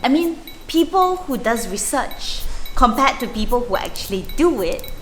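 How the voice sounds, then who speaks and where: A woman's voice: a little high, big pitch swings, normal speed, a bit bright, a little hiss or hum. A woman explaining things as a vlog host in an informal, chatty way, often throwing in rhetorical questions. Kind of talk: casual explanatory video narration. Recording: music behind the voice. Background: music.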